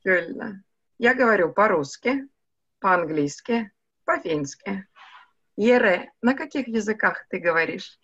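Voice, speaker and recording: A young woman teaching a language over a video call, speaking slowly and patiently and switching between two languages. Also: medium pitch, animated, a bit bright, breathy edge, no room sound. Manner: slow, patient, switches between Russian and Finnish. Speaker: online Russian teacher. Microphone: video call webcam mic. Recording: muffled, dry video call audio.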